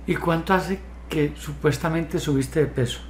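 A man with a slightly raised pitch talks in a direct, lecturing way, pressing with question after question. He is on a video call from a home study, and the sound is roomy with a faint hiss of ambience behind him. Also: normal speed. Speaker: hypnotherapist. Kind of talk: online therapy session.

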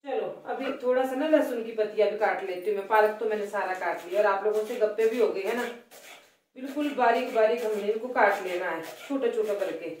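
A middle-aged woman with a Himachali Hindi accent chats loudly and grumbles a little while she cooks. Her voice sits at an average pitch. It comes from a phone placed some way off in a home kitchen, with a roomy echo around it. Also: fairly quick, slight background noise. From Himachal Pradesh, India. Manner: chatty, complaining, talks loudly. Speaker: cooking vlogger. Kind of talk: casual cooking vlog chat. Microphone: phone placed away from her. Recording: roomy phone audio from a distance.

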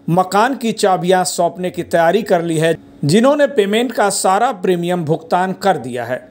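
High-pitched male news reporter voice-over. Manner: steady, formal narration.

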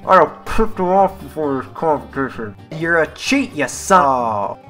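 A woman's voice: low-pitched, expressive, unhurried. A stubborn cartoon farm mare played by a woman who grouses bluntly and hates to lose. Faint music runs behind the voice. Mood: grumbling. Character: grumbling, competitive female farm pony, stubborn. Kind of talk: cartoon parody dub.

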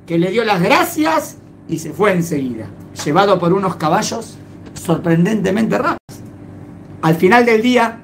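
A woman tells a moral folk tale in a loose, spoken way. Her pitch swings widely and she stops to laugh and restart her words. Faint noise runs under her voice. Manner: animated, laughs and restarts while telling. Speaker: storyteller. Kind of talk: casual oral storytelling with a moral.

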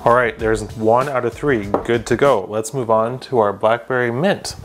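A young man hosting a home cooking demonstration in his kitchen, talking straight to the viewer with deadpan joking asides. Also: medium pitch, normal speed, heavy background noise. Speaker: cooking show host.

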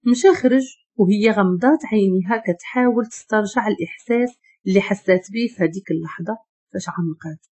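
A woman tells a romance story with a Moroccan Arabic accent. Her voice is mellow and slightly husky, and her delivery stays steady and even from line to line. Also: medium pitch, fast talker.

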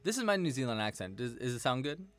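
A man's voice: mid-range voice, sing-song, fast, fairly bright tone, soft background music. A young man teaching crochet on a home live stream, chatty and playful, reading chat messages aloud and laughing as he works. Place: small room at home, indoors.

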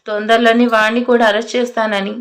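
A woman voicing a furious, fearless male police officer who shouts threats. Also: fairly high pitch, little pitch movement, quick pace, natural voice.

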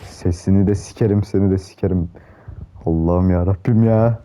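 A man's voice: low voice, steady tone, moderate pace, dark tone, slight background noise. A young man giving casual gameplay commentary, swearing a lot and panicking in repeated pleas. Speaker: gameplay streamer.

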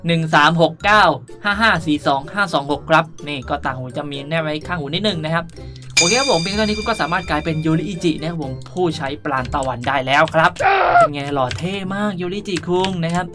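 A video creator hosts a casual game tutorial, chatting politely and frequently speaking directly to his viewers. His voice is a little high and he talks fast, with music playing behind him.

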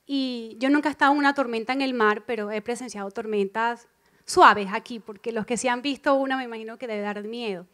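A woman preaching a sermon to a church congregation, emphatic and expressive, repeating key phrases and acting out inner voices. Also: a little high. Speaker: church speaker.

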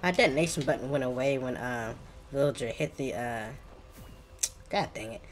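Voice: medium pitch, moderate pace. A streamer with an African American accent and a mid-range voice comments casually on a video game. The talk is colloquial and reactive, half to themselves. Faint music plays behind the voice. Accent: African American English. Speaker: gaming streamer.

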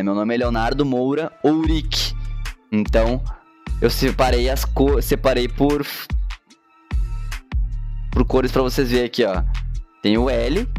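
A man's voice: medium pitch, a little mellow. A man in his thirties with a gaúcho Brazilian accent, chatting casually and slangily on a live stream while he draws. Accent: gaúcho Brazilian Portuguese. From Rio Grande do Sul, Brazil. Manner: slangy and laid-back, constant filler tags. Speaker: graphic designer and streamer. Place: home studio room indoors. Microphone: headset.

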